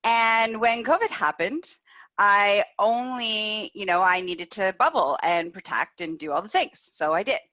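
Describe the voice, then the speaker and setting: A woman host telling stories in a casual, candid, animated way, with playful emphasis and repetition. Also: mid-range voice, a little slow. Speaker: host of a personal sex-life show. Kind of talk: casual chatty storytelling. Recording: roomy echo, slightly dull sound.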